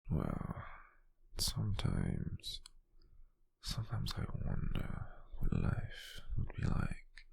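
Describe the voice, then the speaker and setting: Gentle, doting British wizard boyfriend played by a male ASMR actor: low, gravelly half-whisper, tender and softly teasing. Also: huge pitch swings, takes it slowly, full character voice. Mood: tender, shy. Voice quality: breathy, husky near-whisper. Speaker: ASMR roleplay performer. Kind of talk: ASMR roleplay, intimate whispering.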